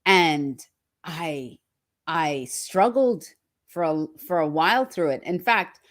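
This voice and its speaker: Lower-pitched woman telling her story emphatically. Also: lively intonation, takes it slowly. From born in Trinidad, raised in Australia from early childhood. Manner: emphatic, with repetition for effect. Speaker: personal branding speaker. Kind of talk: personal storytelling in a motivational talk.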